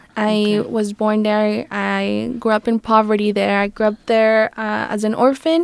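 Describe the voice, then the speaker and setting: Delivered at a moderate pace with fairly even intonation, this is an unremarkable speaking voice. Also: woman, fairly high pitch for a woman. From Guatemala, raised in California from age 9. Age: 20s. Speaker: immigrant rights youth organizer. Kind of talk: radio panel discussion.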